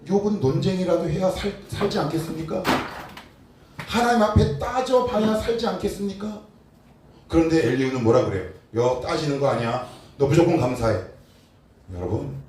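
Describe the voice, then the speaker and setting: A male pastor preaching a sermon, asking his congregation rhetorical questions and swinging between loud and soft. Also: medium pitch. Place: church sanctuary. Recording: very echoey hall, distant mic, faint noise.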